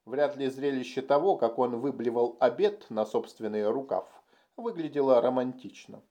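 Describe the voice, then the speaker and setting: A man narrating a science-fiction audiobook in a steady, measured storytelling manner. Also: medium pitch. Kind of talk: scripted narration.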